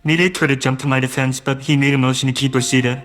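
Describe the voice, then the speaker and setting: A man's voice: medium pitch, level tone, quick pace, a bit bright, faint music behind. A man narrating a first-person audio drama in a wistful, doting way that grows uneasy.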